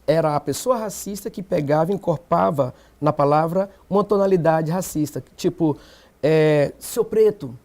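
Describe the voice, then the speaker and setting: Brazilian male activist, high mellow tone, emphatic, fond of rhetorical questions. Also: normal speed, few pauses. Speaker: black movement activist guest. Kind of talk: TV panel debate.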